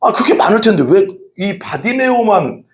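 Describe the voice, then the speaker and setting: A man's voice: high voice, expressive, normal speed. A male pastor preaching an evening church sermon, telling the story with energy and often asking the congregation questions.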